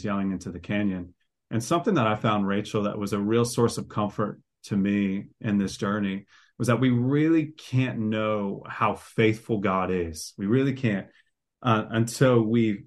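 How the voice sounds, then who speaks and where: Earnest low-voiced male guest. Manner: earnest, explanatory, preacher-like build. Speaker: guest author. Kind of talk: conversational podcast interview.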